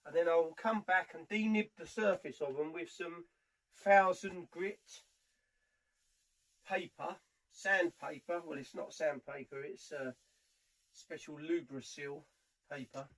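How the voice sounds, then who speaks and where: A British man with a slightly high voice talks through a practical job. He explains each step informally, in the unscripted way of a tradesman showing his work to a camera as he goes. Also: slow, long pauses, fairly bright tone, poor audio. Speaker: furniture polisher giving a how-to demonstration. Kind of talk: casual hands-on tutorial narration. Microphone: camera mic on a tripod, at varying distance.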